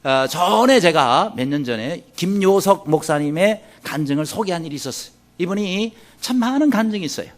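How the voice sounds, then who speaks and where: A man preaching a sermon, telling a story with lively acted-out dialogue. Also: high voice, fairly quick, few pauses. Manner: animated storyteller acting out quoted dialogue. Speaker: pastor.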